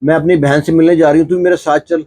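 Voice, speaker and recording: A fretful, proud village aunt scolding her niece and worrying about her good name, played by a man narrating. The voice is husky and sits a little high. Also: little pitch movement, dark tone, close to an everyday voice. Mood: anxious. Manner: anxious, scolding. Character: worried childless aunt, village woman, proud of honor.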